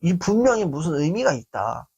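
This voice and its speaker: A man giving a self-esteem lecture and answering a viewer's letter. He speaks in an animated way and acts out quoted speech. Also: a little high, normal speed, slightly rough. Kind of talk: talk-show style self-esteem lecture.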